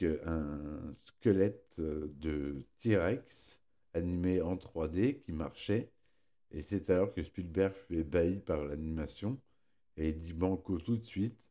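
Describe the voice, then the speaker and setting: A man with a low-pitched, mellow voice presents a film chronicle from a script. His articulation is slightly impeded, as from a sore tongue, and he now and then trips over a word and corrects it. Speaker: presenter of a film review segment. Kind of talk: scripted narration read aloud, film chronicle.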